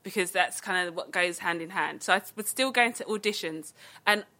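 A woman's voice: fairly low pitch, normal speed, bright, forceful tone. A woman with an Essex accent chatting casually as an interview guest, bubbly, self-deprecating and a little dramatic as she tells anecdotes. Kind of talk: casual chat, telling anecdotes.

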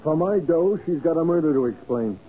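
An actor playing a tough, stubborn American police sergeant, slangy and impatient, in a 1940s radio crime drama. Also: male voice, on the high side, animated, brisk, husky. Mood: cocksure. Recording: tinny noisy 1940s radio recording.

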